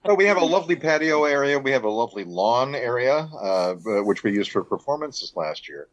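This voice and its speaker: A man's voice: mid-range voice, very animated, brisk, no echo, low-quality recording. A man talking casually as an interview guest, an artistic director of a theater.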